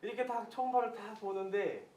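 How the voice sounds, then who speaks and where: A pastor in his thirties giving a sermon as lively storytelling, acting out his own prayers. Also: sits high, fairly quick. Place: church hall. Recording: echoey church hall, distant mic, faint hiss.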